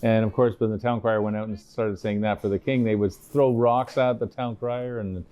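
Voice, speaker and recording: A man's voice: fairly low pitch, steady tone, normal speed, darkish tone. An older man with a Canadian accent telling anecdotes in a casual interview, rambling and repeating phrases as he recalls. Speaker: town crier being interviewed.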